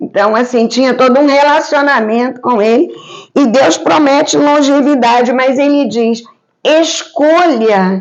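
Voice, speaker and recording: The woman's high voice shows ordinary pitch variation. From Rio de Janeiro, Brazil. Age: 60s. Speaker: pastor. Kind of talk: podcast interview, Bible teaching.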